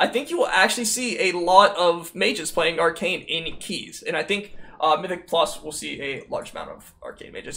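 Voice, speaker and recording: Noticeable background noise accompanies a man with a high pitch. His intonation is lively. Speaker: gaming video creator. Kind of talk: casual commentary video.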